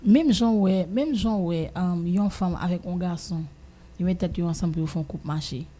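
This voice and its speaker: On a casual radio discussion, a woman with a Haitian accent shares her opinion haltingly, often repeating phrases while she searches for words. Her voice is lowish and warm in tone.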